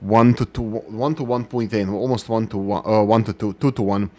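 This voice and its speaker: A man's voice: fairly low pitch, steady tone, moderate pace, darkish tone. A man hosting a gaming channel, giving gameplay commentary and thinking aloud as he works through production numbers.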